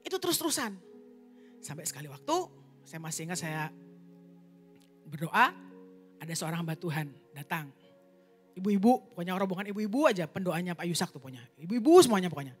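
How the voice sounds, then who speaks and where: A woman evangelist preaching a sermon, telling a personal testimony in a lively storytelling way and speaking directly to the congregation. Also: on the low side, a little fast, pauses often, soft background music.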